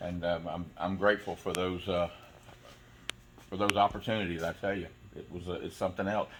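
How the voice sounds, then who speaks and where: Noticeable background noise runs under the recording. A man speaks with an American accent. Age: 60s. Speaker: motorcycle engine builder. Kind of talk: casual interview. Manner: halting, many fillers.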